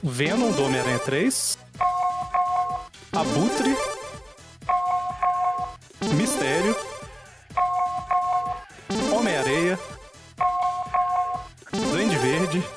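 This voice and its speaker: A man's voice: on the high side, sing-song, very slow, long pauses, loud music behind the voice. A man hosting a casual podcast, explaining rules with a lot of fillers. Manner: chatty, explains with lots of fillers. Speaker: podcast host.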